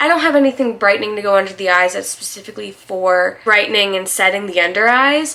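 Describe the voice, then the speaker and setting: Against noticeable background noise, a woman speaks very fast at a medium pitch with lively intonation and hardly any pauses. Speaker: beauty vlogger. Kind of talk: makeup tutorial chat.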